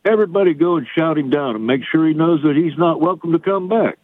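A man in his fifties calling in to a radio show, talking haltingly with many fillers. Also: fairly high pitch, no room sound. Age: 50s. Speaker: caller. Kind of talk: call-in phone conversation. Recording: thin phone-line audio.

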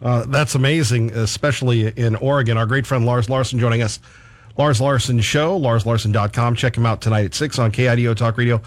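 A radio host with a mid-pitched voice, asking questions in a halting way with many fillers. He is recorded close and dry in a studio. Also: steady tone, dry recording. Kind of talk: radio interview. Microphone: studio microphone.

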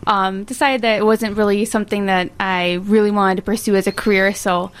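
A soft-spoken woman, a singer, chatting modestly in a radio interview with a few ums. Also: mid-range voice, fairly even intonation, brisk, smooth. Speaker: vocalist, guest. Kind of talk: casual radio interview talk. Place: radio studio.

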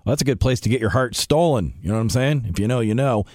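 Animated, jokey male radio host. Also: mid-range voice, fast talker, dry recording, clean studio sound. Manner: jokey, animated, reads listener messages aloud. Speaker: radio morning show host. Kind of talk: casual morning radio chat.

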